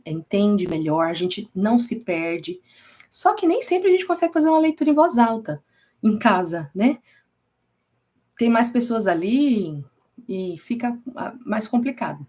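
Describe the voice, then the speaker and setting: Woman, Brazilian Portuguese accent, Bible study teacher, casual class, chatty, checks in often, mellow tone. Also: medium pitch.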